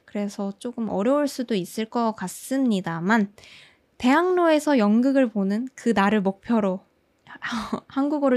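A woman's normal speaking voice, fairly high in pitch with lively intonation, at a fairly slow pace, on a very clean recording with a silent background and a dry, close sound with no echo. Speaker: podcast host teaching Korean. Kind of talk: solo podcast monologue for language learners. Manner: clear, measured pace with rephrasing for learners.

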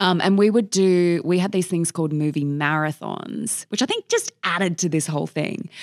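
A woman with a fairly low pitch speaks at a moderate pace with hardly any pauses and ordinary pitch variation, in a dry, close sound with no echo. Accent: Australian. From Australia, Queensland. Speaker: comedian. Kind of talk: casual chat. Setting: studio.

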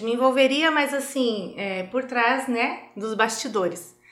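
Audible room echo surrounds a woman speaking fairly slowly at a fairly high pitch with ordinary pitch variation. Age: 40s. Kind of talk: testimony.

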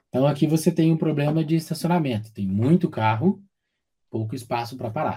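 Somewhat breathy and dark, mellow in tone, a man speaks at a fairly quick pace. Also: lively intonation. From Brazil. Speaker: software engineer. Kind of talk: casual interview.

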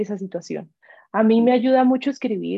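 A woman speaks with ordinary pitch variation. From Colombia. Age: 30s. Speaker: makeup artist and hairstylist. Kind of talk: casual interview chat. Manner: calm.

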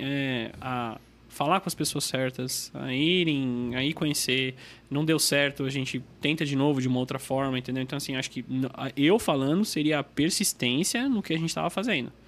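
A plain, everyday voice, male and fairly high-pitched, moderately paced, with ordinary pitch variation. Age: young. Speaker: company co-founder. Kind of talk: interview.

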